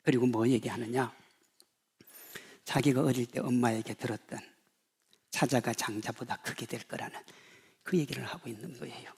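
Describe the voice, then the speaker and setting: A pastor in his fifties preaching a sermon, swinging from loud emphasis to hushed asides and acting out quoted voices. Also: medium pitch, steady tone, normal speed, vocal fry, pauses often, breathy edge. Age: 50s.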